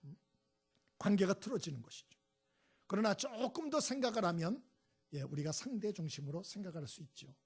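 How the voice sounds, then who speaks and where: A man's voice: high-pitched, expressive, fairly quick, long pauses, slightly rough, faint music behind. A male pastor preaching a sermon, telling stories and prodding the congregation with short questions. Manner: storytelling, prods the congregation with "예?" and "음?".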